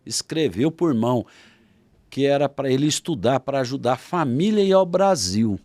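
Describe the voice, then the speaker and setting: A man with a Brazilian Portuguese accent, a guest author, telling a historical story in a podcast interview and acting out shouted quotes. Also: mid-range voice, expressive, moderate pace, no room sound.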